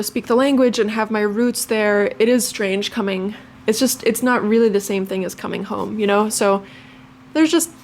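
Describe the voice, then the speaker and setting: A woman's voice: mid-range voice, a little hiss or hum. A young woman from Lithuania, a native Lithuanian speaker, chatting casually to camera as a vlogger, with many fillers and restarts.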